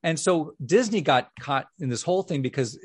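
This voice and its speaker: A man's voice: fairly high pitch, expressive, normal speed, breathy edge, dry recording, studio quality. Rambling male talk-show co-host. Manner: rambling with many restarts and fillers. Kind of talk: casual political talk show.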